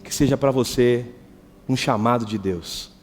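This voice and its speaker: A male pastor preaching a sermon, slow and earnest, appealing directly to listeners. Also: medium pitch. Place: church. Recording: reverberant church hall, faint guitar.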